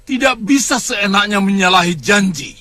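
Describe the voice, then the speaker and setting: High, sharp-toned scheming warlord, commanding, radio drama. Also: male voice, lively intonation, normal speed, dry recording. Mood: insistent. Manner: insistent and commanding. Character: scheming male war leader pressing his allies.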